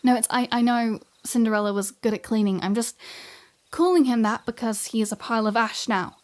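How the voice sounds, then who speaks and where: A woman's voice: on the high side, fairly quick, a little mellow, natural voice. Sarcastic, flirty vampire woman, acted by a woman. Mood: sardonic, chatty. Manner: teasing, wry, conversational with sighs and asides. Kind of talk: scripted ASMR audio roleplay, addressing the listener.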